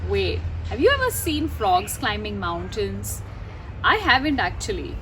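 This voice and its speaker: A woman reading a story aloud to children outdoors, expressive and often putting questions to her listeners. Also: medium pitch, measured pace. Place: outdoors under a mango tree. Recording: noisy outdoor recording.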